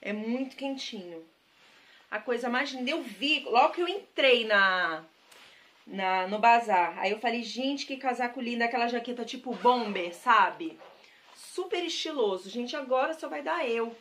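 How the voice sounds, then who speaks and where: A woman's voice: fairly high pitch, expressive, normal speed, a bit bright. A woman from Brazil chatting to camera as a vlogger, gushing over her thrift-shop finds and addressing viewers directly. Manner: chatty and gushing, repeats praise words. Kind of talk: casual haul chat to camera.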